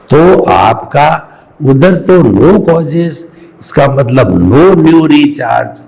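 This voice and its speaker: A man's voice: lowish voice, creaky, a little mellow, rough recording. A man giving a spiritual discourse as a teacher, explaining with emphasis and everyday analogies.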